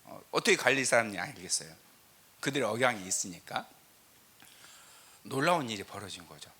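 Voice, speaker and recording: Emphatic Korean pastor with southern lilt. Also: male voice, fairly low pitch, very animated, a little fast, bright, forceful tone, husky. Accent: southern Korean regional lilt. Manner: emphatic, rhetorical questions, frequent "eo" fillers. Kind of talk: lecture sermon with scripture reading. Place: church sanctuary.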